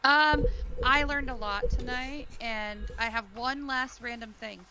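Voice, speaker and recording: A woman's voice: on the high side, fairly even intonation, a little slow, a little hiss or hum. A woman co-hosting a podcast, chatting casually with wry interjections. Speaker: podcast co-host. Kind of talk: casual chat.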